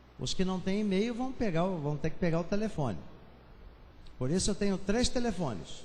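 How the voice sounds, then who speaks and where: A man with a high-pitched voice speaks at a moderate pace, leaving long, frequent pauses. His intonation is lively, and audible room echo surrounds him. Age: 60s. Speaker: pastor. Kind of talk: church announcements. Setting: church.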